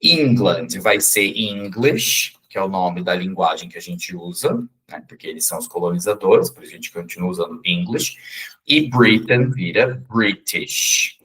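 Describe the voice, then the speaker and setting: A Brazilian man giving a relaxed English lesson, often checking in with his listeners and slowly drawing out English words. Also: sits low, slightly rough. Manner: chatty, with frequent "tá?" and "né?" check-ins, slowly spelling out English words. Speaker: English teacher. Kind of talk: casual explanatory lesson.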